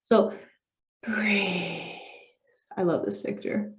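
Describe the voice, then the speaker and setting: In a dull lo-fi recording, a woman gives an informal speech therapy lecture, upbeat as she explains things step by step with spoken demonstrations. Her mid-range voice is fairly even in intonation and extremely slow.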